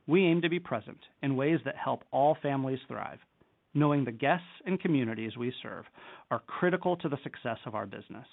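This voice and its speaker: Male executive, gravelly edge, reading formal prepared remarks over a thin conference-call phone line. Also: mid-range voice. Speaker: company executive on an earnings call. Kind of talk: scripted corporate presentation, read aloud.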